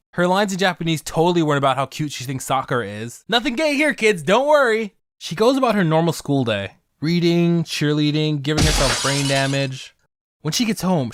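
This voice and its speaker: A man's voice: a little high, no room sound. Give me a sarcastic young man narrating a comedy review. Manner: sarcastic, jokey asides. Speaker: video host, reviewer.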